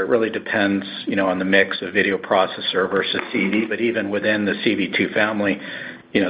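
A deep-voiced man speaks in a flat, even tone as a company executive on an earnings call. The line is a little dull, answering analysts' questions. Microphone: conference call line. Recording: dull call audio, faint noise.

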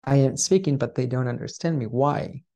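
A man who is the guest on an interview, explaining his views earnestly and ending many points with a quick "right?". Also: medium pitch, dark tone. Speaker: guest, founder of a pronunciation coaching business. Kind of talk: casual interview chat.

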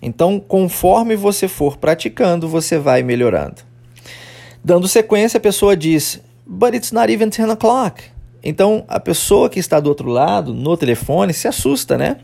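A male English teacher with a fairly high, gravelly voice and a mellow, darker tone. He explains patiently and says each example phrase slowly so listeners can repeat it. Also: lively intonation. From Brazil. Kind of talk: podcast English lesson in Portuguese.

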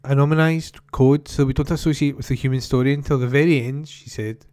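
A man reading a newspaper report aloud in an even, plain way, with small restarts. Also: medium pitch, a little fast, dry recording, studio quality. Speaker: newspaper article reader. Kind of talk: read-aloud news report.

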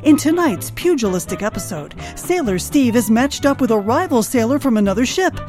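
Lively high-voiced woman radio announcer. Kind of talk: old-time radio serial announcing. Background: music.

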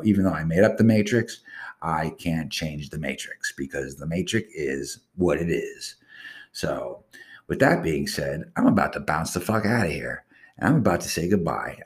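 Very deep-voiced boastful man. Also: a little mellow. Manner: boastful, crude, rambling. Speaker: podcast host. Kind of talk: casual solo podcast monologue.

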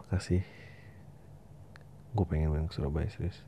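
A man's voice: steady tone, normal speed, mellow. A man hosting a podcast, reading listener emails aloud with informal, slangy asides and casual swearing. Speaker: podcast host. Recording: dull lo-fi audio with faint rumbling noise.

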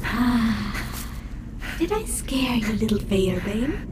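Slow, menacing female spirit. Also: a little high, lively intonation, noisy background. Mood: taunting menace. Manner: theatrical, drawn-out, sinister, often breathy. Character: menacing, taunting, ancient spirit who hunts mortals. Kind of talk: fantasy audio drama acting.

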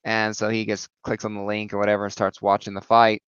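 Male comic reviewer, smooth clear voice, loose rambling delivery full of "uh"s, dry and slightly dull recording. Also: on the low side, completely flat delivery, quick pace, a bit bright, no echo. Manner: rambling, many fillers and restarts. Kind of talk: casual comic recap.

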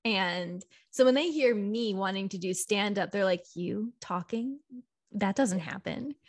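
A soft-spoken woman, a stand-up comedian, chatting casually as a podcast guest and laughing often. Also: medium pitch, a little slow. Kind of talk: casual interview chat.

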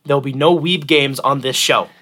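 A man hosts a podcast in a medium-pitched voice. He talks casually and swears freely. His delivery rambles, full of joking, sarcastic asides. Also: moderate pace, noisy background. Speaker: podcast host. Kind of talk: casual, profane podcast banter.

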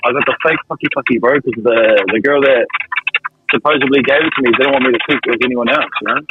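A man's voice: mid-range voice, steady tone, quick pace. A man calling in to a podcast for casual banter, with a blokey, matey, sweary way of talking. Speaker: podcast call-in guest. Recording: phone call with clear background noise.

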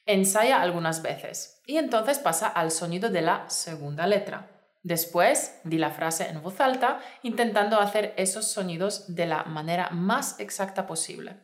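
A woman, giving clear step-by-step instructions in a scripted podcast lesson. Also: on the low side, a little slow. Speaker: Spanish teacher. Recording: roomy echo.

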